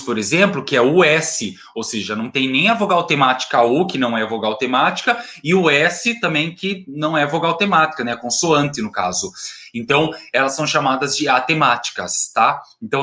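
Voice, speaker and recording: A man's voice: mid-range voice, sharp tone. A Brazilian man teaching a recorded school grammar lesson. He explains step by step, asks questions and answers them himself, and repeats single words and word parts.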